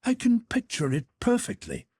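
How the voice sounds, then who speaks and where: A man voicing a polite, inquisitive manservant in an audiobook, with a lifted husky voice and an earnest manner. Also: sits high, wildly swooping pitch, normal speed, darkish tone, dry recording, clean studio sound, pitched above the performer's own voice, full character voice. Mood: eager, curious.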